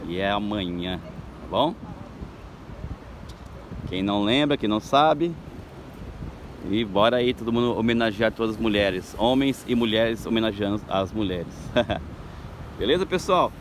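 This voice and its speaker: A man's voice: on the low side, animated, a little slow, long pauses. Chatty man guiding a beach walk. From Brazil. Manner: chatty, upbeat, tags phrases with questions. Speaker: tour guide. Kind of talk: casual walking vlog. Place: outdoors on a beach promenade. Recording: outdoor street and beach noise.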